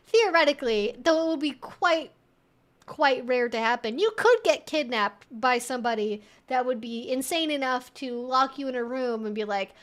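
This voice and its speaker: A woman's voice: fairly high pitch, fairly bright tone. A woman hosting a casual livestream Q&A, talking conversationally and emphatically as she thinks aloud. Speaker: livestream host. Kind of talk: casual Q&A livestream chat, reading viewer comments.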